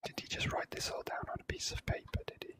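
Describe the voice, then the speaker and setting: A whispering host giving ASMR commentary on a video game playthrough, hesitant and measured, with formal wording. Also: fairly bright tone.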